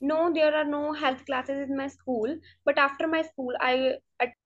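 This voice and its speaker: A woman's voice: high-pitched, steady tone, a little slow. A young woman whose first language is Punjabi answers a mock speaking exam over a video call, hesitant and full of fillers and restarts. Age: student. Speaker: test candidate. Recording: dull lo-fi video call audio.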